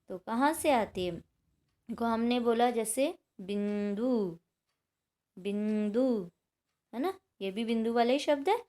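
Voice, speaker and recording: Woman schoolteacher, slow patient delivery with a lively, rising and falling voice, a little high. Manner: slow and patient, sounding out words aloud. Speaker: teacher. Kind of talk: explaining a class-six grammar lesson.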